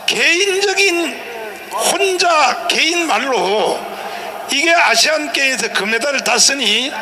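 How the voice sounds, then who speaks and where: A man's voice: very high voice, lively intonation, measured pace, crowd noise. A male pastor hosting a political rally talk, blunt and haranguing, firing leading questions at his guest. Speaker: host, pastor.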